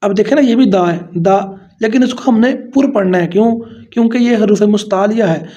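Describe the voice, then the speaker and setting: A man with a high yet mellow voice gives a patient Quran reading lesson, sounding out letters one syllable at a time. The recording is dull and lo-fi. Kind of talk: step-by-step pronunciation lesson.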